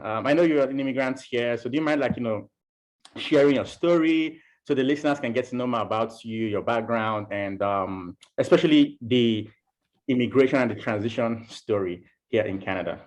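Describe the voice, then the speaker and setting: A man hosting an interview, enthusiastic and halting, often restarting his sentences. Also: medium pitch, lively intonation, darkish tone. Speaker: interview host. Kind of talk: podcast interview.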